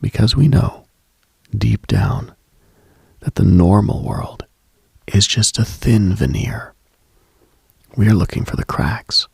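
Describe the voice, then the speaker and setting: Deep, gravelly, husky late-night radio man. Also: lively intonation, dry recording, clean studio sound. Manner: hushed, unhurried, contemplative, addresses listener directly. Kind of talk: intimate late-night mystical monologue, ASMR-like.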